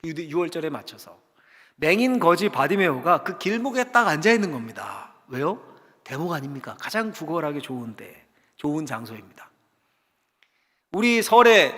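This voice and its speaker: A man, a senior pastor, preaching a dramatic sermon in a church sanctuary, posing rhetorical questions and swinging from loud cries to hushed emphasis. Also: on the high side. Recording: long church-hall reverb.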